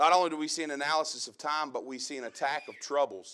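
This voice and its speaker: A man in a Kentucky accent, fairly high in pitch with a bright, sharp tone, at a moderate pace over a quiet background. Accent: US South (Kentucky). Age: 30s. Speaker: preacher. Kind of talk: sermon. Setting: church. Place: church. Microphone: podium.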